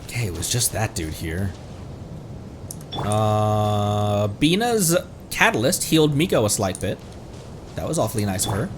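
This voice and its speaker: A man streaming a video game with expressive delivery, commenting casually and reading game text aloud. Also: measured pace, pauses often, background noise. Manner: expressive, jumps into high-pitched exclamations.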